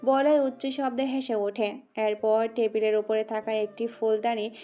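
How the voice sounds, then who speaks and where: A woman narrating a scripted audio story in a steady, dramatic way. Her voice sits slightly high, with a dark, mellow tone. The recording is dull and muffled, with soft music underneath. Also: measured pace.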